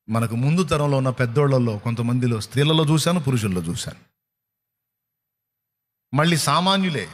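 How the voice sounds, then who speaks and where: A man preaching a sermon at a night prayer service, asking rhetorical questions and swinging his pitch widely for emphasis. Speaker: pastor. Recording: long hall reverb.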